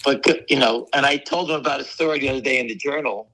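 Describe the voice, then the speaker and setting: A man with a voice hoarse from weeks of coughing, chatting in a rambling way as a guest on a live stream. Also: mid-range voice, fast talker, pushed and bright, rough recording. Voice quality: gravelly, raspy. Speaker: guest on a stock market stream. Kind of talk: casual chat.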